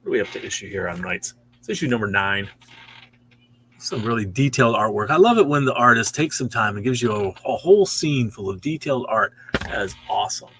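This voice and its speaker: Showing off new comics in his store, the host, a man in his sixties, is chatty and easily impressed. His lowish voice comes across animated, a little fast and a bit bright. There's slight noise in the background.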